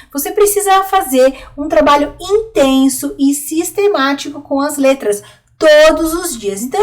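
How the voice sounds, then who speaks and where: High-voiced Brazilian teacher explaining methods. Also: female voice. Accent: Brazilian Portuguese. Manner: explanatory, addresses teachers directly, frequent "tá?" check-ins. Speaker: literacy teacher. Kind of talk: online teaching video.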